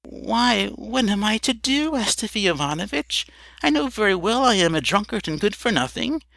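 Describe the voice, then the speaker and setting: A man's voice: high voice, very animated, moderate pace, gravelly, fairly bright tone, dry recording, voice pushed up, exaggerated voice. A man putting on a meek, pleading drunkard. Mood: tearful. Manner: timid, plaintive.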